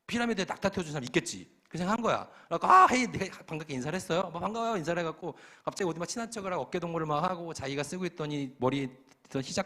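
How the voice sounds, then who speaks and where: Lively, fast-talking male pastor. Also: fairly high pitch. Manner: animated storyteller acting out voices, with laughs. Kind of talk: youth sermon storytelling. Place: church hall.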